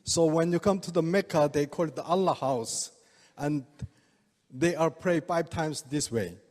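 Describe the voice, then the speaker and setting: Older Korean man, slightly high voice. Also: a little mellow. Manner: halting broken English, chuckles often. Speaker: speaker, oriental medical doctor. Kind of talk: presentation to a live audience. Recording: reverberant hall.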